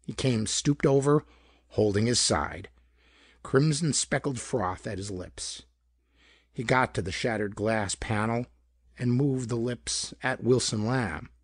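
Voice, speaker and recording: A man reading a pulp detective story aloud as scripted narration, with a slightly rough voice and dramatic, expressive delivery. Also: medium pitch, slow pace, no room sound, clean studio sound. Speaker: audiobook narrator.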